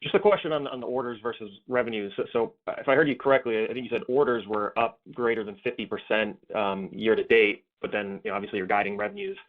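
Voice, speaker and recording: A man's voice: medium pitch, lively intonation, fast, few pauses. A male financial analyst asking wordy, hedging questions on an earnings call, often restarting his phrasing. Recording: thin phone-line audio.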